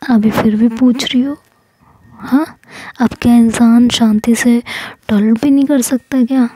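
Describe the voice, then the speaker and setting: A woman voicing Rabia, a bossy, sharp-tongued young woman, in whispered role-play. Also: a little high, fairly even intonation, a little slow, slightly rough, poor audio. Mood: scolding.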